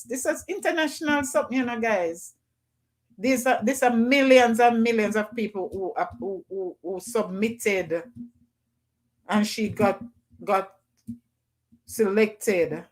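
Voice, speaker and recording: A woman hosting a casual livestream call-in, chatting loosely and greeting viewers by name. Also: medium pitch. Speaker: livestream host.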